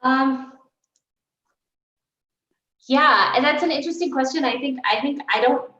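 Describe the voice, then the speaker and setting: A woman's voice: high-pitched, unhurried, pushed and bright. A woman who grew up in the United States, speaking as an author on a festival panel, musing aloud in a thoughtful, fluent way. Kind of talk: reflective panel talk. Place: festival venue. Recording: distant mic, roomy, dull sound.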